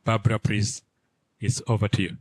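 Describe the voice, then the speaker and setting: A man's voice: on the low side, little pitch movement, moderate pace, dry recording. A man hosting a formal event, courteously introducing speakers in a conference room. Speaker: event host.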